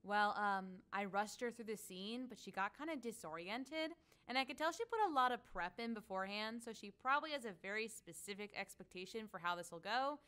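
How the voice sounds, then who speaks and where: Woman acting as sardonic, animated high school girl. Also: a little fast, hardly any pauses, smooth. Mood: wry, wary. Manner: dry, sarcastic. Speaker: actor. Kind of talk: comedic audio drama acting.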